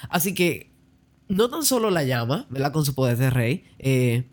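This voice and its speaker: A man's voice: mid-range voice, big pitch swings, moderate pace, a little mellow. A man in a conversational Christian discussion, explaining his view at length with frequent fillers and tag questions. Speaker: Christian debater.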